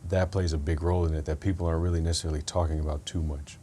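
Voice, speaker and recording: A man hosting an interview, affirming his guest and speaking in a steady, pointed way. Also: very deep voice, very fast, a little hiss or hum. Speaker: podcast host. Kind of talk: conversational interview.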